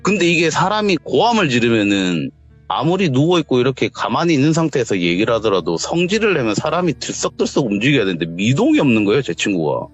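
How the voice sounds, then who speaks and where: An interviewee casually tells a true ghost story and acts out the voices, shouting quoted lines at a raised pitch. The recording has a dull lo-fi sound with faint music behind it.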